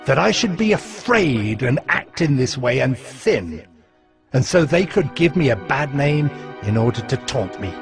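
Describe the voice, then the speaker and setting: A man playing a steadfast, devout ancient governor, narrating his memoir of scripture in a solemn, measured way. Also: a little high, heavily acted. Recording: music behind the voice.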